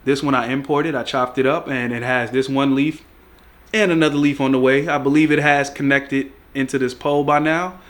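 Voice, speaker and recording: A young man's congested voice, thick from a cold, in a relaxed and chatty home video. He talks easily, sometimes laughing at his own remarks, in a voice that sits at an ordinary middle pitch. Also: moderate pace. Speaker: plant vlogger. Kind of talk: casual video chat about plant care.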